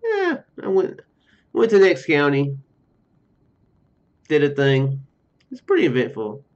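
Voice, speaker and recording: A man's voice: on the high side, wildly swooping pitch, measured pace. A young man doing casual let's play commentary, reading game text aloud and rambling into joking asides. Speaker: video game streamer. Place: small room at home, indoors. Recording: dull lo-fi home mic, music behind. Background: game music.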